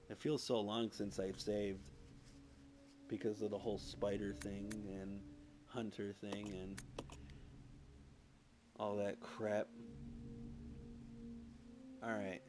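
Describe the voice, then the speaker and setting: A man's voice: on the low side, steady tone, slow, long pauses. A man streaming a video game, rambling casually with lots of "like" and swearing over a console streaming mic. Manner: rambling and crude, heavy use of "like" and swearing. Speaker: gameplay streamer. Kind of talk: casual let's-play commentary. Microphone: PS4 streaming mic. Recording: noisy home stream audio.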